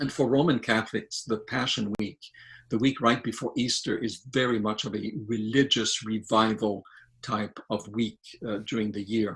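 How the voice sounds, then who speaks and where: A man with a Quebec accent speaks at a medium pitch and a moderate pace. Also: fairly even intonation. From Quebec City, Canada. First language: French. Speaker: theology professor. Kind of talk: interview. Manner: halting.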